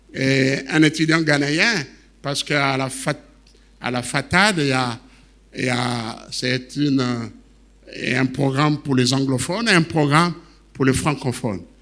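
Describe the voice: A man speaks at medium pitch with a fairly bright tone. His pace is fairly slow and his intonation fairly even.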